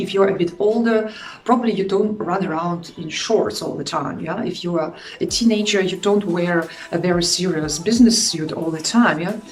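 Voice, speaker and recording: A woman with a non-native accent speaks at a moderate pace with ordinary pitch variation, audible room echo and noticeable background noise. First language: not English. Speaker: YouTube business coach. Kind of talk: vlog tutorial. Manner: halting.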